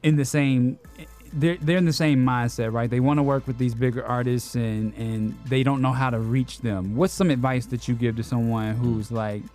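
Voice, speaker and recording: A man's voice: mid-range voice, steady tone, moderate pace, hardly any pauses, a little mellow, faint music behind. A man hosting an interview, asking guests for advice in an easygoing, affirming way. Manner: easygoing, affirming with short replies. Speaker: host. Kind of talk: interview questions.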